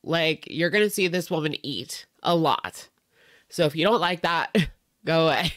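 A woman's voice: sits low, measured pace, fairly bright tone, no room sound, studio quality. A young woman hosting a reaction video with casual, sarcastic commentary, a little stuffy-nosed. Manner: sarcastic, chatty. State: stuffy nose.

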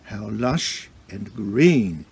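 A man voicing a shaggy, swaggering, self-satisfied male dog in a children's story, drawling slowly. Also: on the low side, big pitch swings, gravelly, a little mellow, slightly rough, full character voice. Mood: smug.

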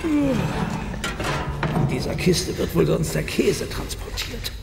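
Wry, creaky-voiced reluctant sidekick. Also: male voice, sits high, sing-song, slow pace, heavily acted. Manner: wry, grumbling. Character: sarcastic, reluctant male millionaire sidekick. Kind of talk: horror audio drama acting. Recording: echoey room with loud background noise.

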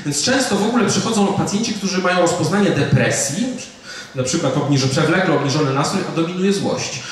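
A middle-aged man gives a public lecture in a museum hall, talking conversationally and checking in with his listeners. His voice sits a little high for a man. He is picked up from some distance, with a strong echo off the room. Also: lively intonation, a little fast. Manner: conversational, with fillers and rhetorical "prawda?". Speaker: psychiatrist giving a public lecture. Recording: echoey hall, speaker far from the mic.

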